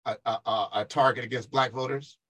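Bright-voiced man pressing questions on radio. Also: mid-range voice, fairly even intonation, fairly quick, low-quality recording. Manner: probing, interrupting, teasing. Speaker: radio talk show host. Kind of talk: heated talk-radio debate.

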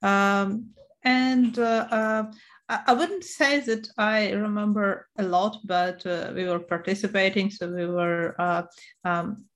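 Hesitant Ukrainian-accented woman, slow speech. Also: medium pitch, steady tone, a bit bright. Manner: hesitant, many uh and um fillers. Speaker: interview guest. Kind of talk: casual interview answers.

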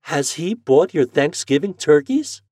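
A man's voice: a little high, very animated, unhurried, darkish tone, husky, no room sound, clean studio sound, voice pushed up, exaggerated voice. A man voicing an old-fashioned, thrifty farm mother in a storybook, speaking in rustic country dialect. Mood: surprised, doubtful. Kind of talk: storybook character voice.

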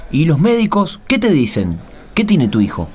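A man's voice: on the high side, wildly swooping pitch, normal speed, a little mellow. A man playing a concerned, talkative friend in a radio drama, speaking with an Argentine accent. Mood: curious, concerned.

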